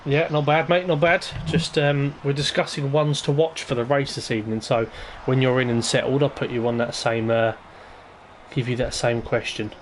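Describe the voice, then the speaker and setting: Male league commentator, hesitant, rambling previews, mid pitch. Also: little pitch movement, normal speed, slight background noise. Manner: rambling and hesitant, lots of ums. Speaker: lead commentator of an online racing league. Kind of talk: casual race-preview commentary.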